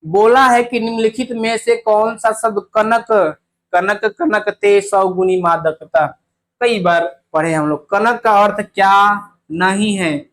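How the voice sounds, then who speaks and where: A man's voice: high-pitched, slow pace, fairly bright tone. A young adult man teaching an exam-prep grammar lesson, chatty and repetitive, who quizzes his listeners with rhetorical questions and drags out sounds when he demonstrates them.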